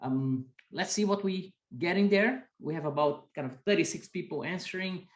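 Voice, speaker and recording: A man's voice: high voice, normal speed, roomy sound. A man with a Brazilian accent hosting a business school webinar, talking conversationally with frequent "right?" tags. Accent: Brazilian Portuguese. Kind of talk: webinar presentation.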